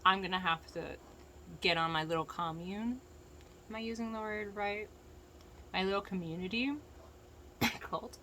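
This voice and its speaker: A woman's voice: mid-range voice, fairly even intonation, moderate pace, long pauses, sharp tone, a little hiss or hum. An American woman with a lisp, talking casually and frankly in a rambling, profane, opinionated rant to viewers. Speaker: vlogger giving opinions.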